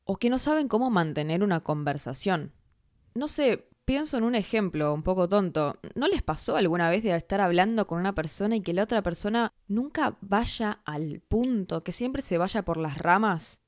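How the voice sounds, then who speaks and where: A Spanish teacher with a Rioplatense accent hosts her own solo educational podcast, talking through ideas in a thoughtful, conversational way. Her mid-range voice is animated and moderately paced, captured in clean studio sound with no room echo.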